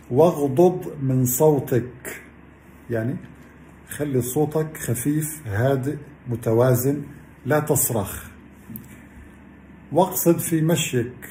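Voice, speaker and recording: A man's voice: mid-range voice, mellow, echoey room, a little hiss or hum. Earnest man giving a religious lesson. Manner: earnest, addresses listeners as beloved ones. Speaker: Islamic science lecturer. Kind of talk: religious explanatory talk.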